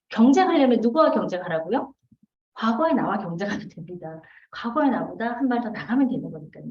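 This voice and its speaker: A woman's voice: mid-range voice, darkish tone, distant mic. Woman, forties, seminar lecture, questions and answers to the audience, dull lo-fi sound, roomy hall. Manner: asks the audience questions and answers them herself. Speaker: business seminar speaker.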